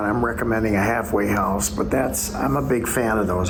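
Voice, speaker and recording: A man speaks at a moderate pace with fairly low pitch and lively intonation, over noticeable background noise. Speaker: recovery mentor, former alcoholic. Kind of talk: supportive phone call.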